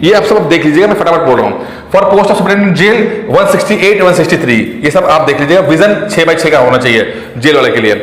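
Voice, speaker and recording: Man, coaching teacher, chatty, repeats himself, slightly high voice, echoey room. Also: lively intonation, a little fast. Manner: chatty, repeats points, mixes English terms into Hindi. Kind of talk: explaining exam rules to students. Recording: echoey room with long reverb.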